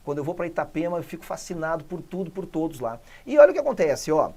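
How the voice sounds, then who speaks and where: An energetic male teacher from Brazil runs a chatty exam-prep lesson, stressing points with emphasis. His voice has a gravelly edge and a dark, mellow tone. He is recorded close to the mic. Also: fairly high pitch, fast talker. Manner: enthusiastic, chatty, emphatic, explains step by step.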